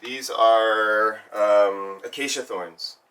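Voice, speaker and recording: A man's voice: fairly low pitch, fairly even intonation, extremely slow, a bit bright, far from the mic, rough recording. A man born in Zambia who works as a burlesque and cabaret performer, speaking reflectively in a documentary interview and often restarting his sentences as he searches for words.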